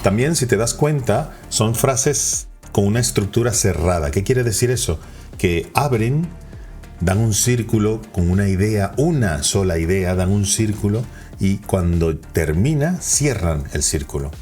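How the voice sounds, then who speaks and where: Deep-voiced man coaching on persuasion. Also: measured pace, soft background music. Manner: lively, varies pitch and pace for emphasis. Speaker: communication coach. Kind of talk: instructional talk on persuasion.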